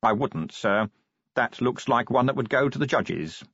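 Man playing a discreet, husky clerk. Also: mid-range voice, animated, measured pace, a bit bright, no room sound, muffled recording, heavily acted. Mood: discreet, deferential. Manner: polite, understated, formal. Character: discreet, deferential male clerk.

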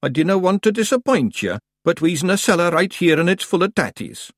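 A man voicing a tiny, rowdy blue Scottish warrior with broad excitable dialect, in an audiobook story. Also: high voice, fairly quick, no room sound, clean studio sound, pitched above the performer's own voice, full character voice. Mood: bickering.

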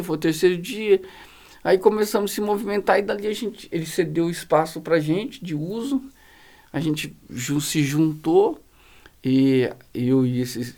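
Speaking as a podcast guest, a pastor who runs a social project tells stories in a high-pitched voice with a Brazilian Portuguese accent. His casual talk is animated, slangy, and full of fillers.

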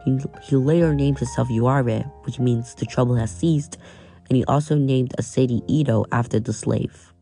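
A man's voice: medium pitch, fairly even intonation, normal speed, creaky, warm tone, faint music behind. A young man from Nigeria with an American accent, reading a scripted history podcast as its host and stumbling over some names. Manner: reads from a script with frequent restarts on names.

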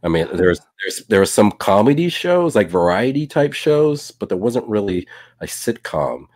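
A man's voice: lowish voice, big pitch swings, moderate pace, darkish tone, dry recording, clean studio sound. A man co-hosting a casual live show, talking hesitantly with many restarts and fillers. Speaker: co-host.

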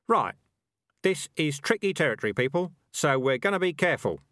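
A man voicing a tough, lean male rat sergeant in a storybook, brisk, wary and commanding. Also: a little high, very animated, a bit bright, no room sound, clean studio sound, voice pushed up.

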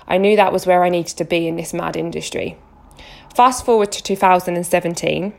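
Gravelly-voiced English woman from Essex. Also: fairly low pitch. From Essex, England. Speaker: podcast host. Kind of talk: scripted solo podcast intro.

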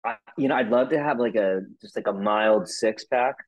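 A man's voice: on the low side, normal speed, rough recording. A man talking in a casual podcast chat, rambling and joking with a chuckle.

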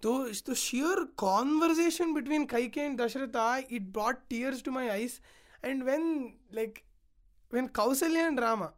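A woman retelling an ancient epic in a casual podcast chat, animated and emotional, with lots of "like" fillers. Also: sits high, unhurried. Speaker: podcast storyteller.

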